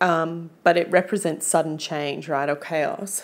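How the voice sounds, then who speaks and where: A strong Australian accent with fairly even intonation. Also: woman. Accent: broad Australian. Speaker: tarot reader. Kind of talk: tarot reading.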